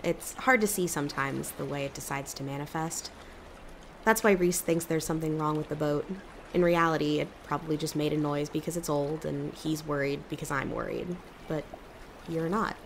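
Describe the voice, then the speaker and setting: A woman's voice: low-pitched, steady tone, moderate pace, slight background noise. An actress playing a worried, wryly teasing young woman in a naturalistic audio drama. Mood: curious, teasing. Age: young adult.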